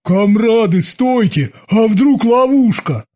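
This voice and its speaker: A man voicing a huge, cowardly male sailor who talks loudly in alarm. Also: sits high, lively intonation, slow pace, full character voice. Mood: panicky. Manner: loud, alarmed, pleading.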